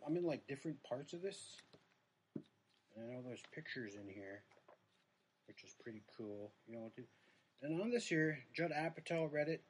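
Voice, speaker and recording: A middle-aged comedian and livestream host from the Red Lake reservation in the United States chats casually with a Native American reservation accent. His mid-range voice is a little mellow, over a rough recording with some hiss or hum. His talk rambles, turns self-deprecating and trails off.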